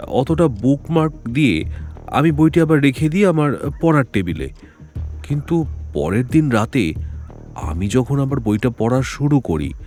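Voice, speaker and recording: A man's voice: medium pitch, a little mellow, close to an everyday voice. An actor voices an anxious jeweller in an audio drama who falters and restarts while telling his fears. His voice rises and falls a great deal, and faint music plays beneath him. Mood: explaining. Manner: hesitant, worried, explaining at length. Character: anxious middle-aged male jeweller fearing murder. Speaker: client. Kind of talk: Bengali audio drama acting.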